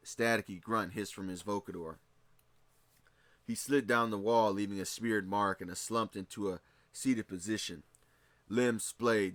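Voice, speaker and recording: A man narrating a fan fiction story in a steady reading, with occasional slips and restarts. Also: lowish voice, no echo.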